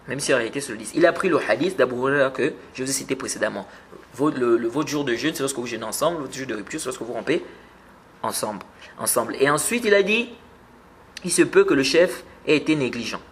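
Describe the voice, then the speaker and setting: A man's voice: mid-range voice, expressive, fast talker, slight background noise. A man giving a religious lesson, explaining patiently, repeating words and rising when he stresses a point. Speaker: Islamic teacher.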